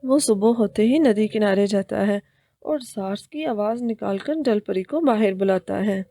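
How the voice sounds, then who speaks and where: A woman's voice: medium pitch, mellow, no echo, clean studio sound. A woman narrating a children's cartoon story in a plain storytelling manner.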